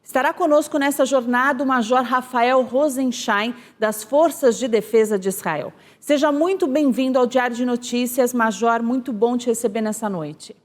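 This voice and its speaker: A woman's voice: fairly high pitch, moderate pace, few pauses. Polished woman news anchor. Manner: formal, polished presenting. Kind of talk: TV news interview.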